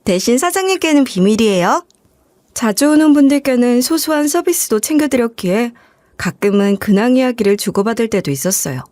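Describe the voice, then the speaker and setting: 차분한 여성 사연 낭독자. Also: female voice, on the high side, brisk, warm tone, no room sound. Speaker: story narrator. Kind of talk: scripted narration.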